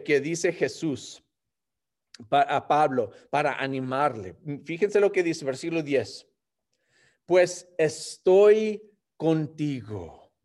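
A man preaching a sermon, earnest and often chuckling. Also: fairly high pitch.

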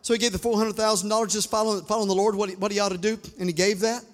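A male pastor, preaching a fervent sermon that swings into shouts and sung lines, calling on the congregation to respond. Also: high-pitched, little pitch movement, rapid-fire, big-room sound. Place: church sanctuary.

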